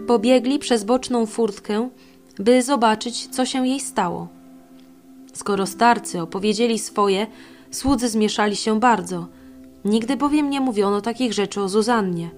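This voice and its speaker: A woman reading a scripture passage in a calm, measured way. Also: a little high. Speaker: scripture reader.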